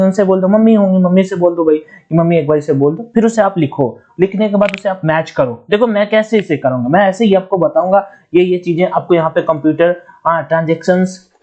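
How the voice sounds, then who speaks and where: A young man teaching an online exam-prep lesson in a casual, chatty way, explaining step by step and dictating words slowly. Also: high voice, dark tone. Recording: dull lo-fi audio.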